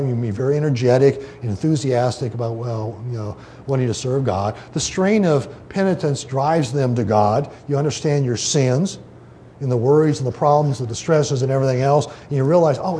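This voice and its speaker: A man's voice: mid-range voice, dark tone, a little hiss or hum. A man preaching, teaching scripture in a loose, conversational way, often breaking off to read a quoted passage aloud. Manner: conversational, many fillers and restarts, reads quotations aloud. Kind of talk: informal Bible teaching.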